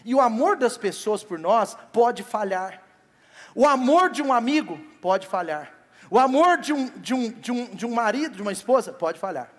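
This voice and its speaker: A male pastor preaching a sermon with a Brazilian accent, swinging from loud emphatic peaks to soft quiet lines, in a church hall. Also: very high voice, lively intonation, moderate pace. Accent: Brazilian Portuguese. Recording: long church hall reverb.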